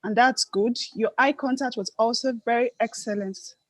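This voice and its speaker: Soft-spoken woman giving an encouraging evaluation. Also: normal speed, dry recording. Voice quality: soft, low-volume voice. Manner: gently encouraging, self-correcting. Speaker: speech evaluator.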